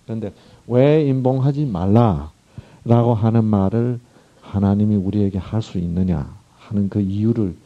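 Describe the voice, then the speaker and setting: A male pastor preaching a sermon, constantly quizzing the congregation with questions and swinging from loud calls down to whispers, on a muffled recording. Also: lowish voice, unhurried. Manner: call-and-response questions to the congregation.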